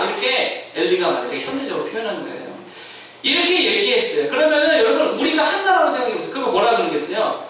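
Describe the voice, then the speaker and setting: Male pastor, sermon delivery, high bright voice, call-and-response questions, heavy church-hall echo, distant mic. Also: a little hiss or hum. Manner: asks the congregation questions and answers them himself. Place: church sanctuary.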